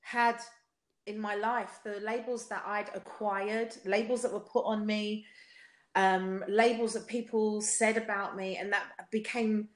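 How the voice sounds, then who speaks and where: A woman's voice: medium pitch, little pitch movement, a little slow. A woman with a South London accent giving personal testimony in conversation, speaking emphatically with rhetorical repetition and often checking for agreement. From South London, England. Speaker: podcast guest, singer. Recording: roomy, echoey sound.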